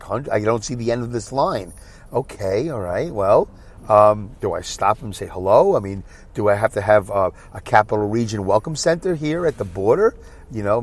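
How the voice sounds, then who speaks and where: A stuffy-nosed man hosting his own podcast, chatting casually and self-deprecatingly while driving in traffic. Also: fairly low pitch. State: congested, stuffy nose. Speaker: podcast host. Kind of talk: solo rambling podcast monologue.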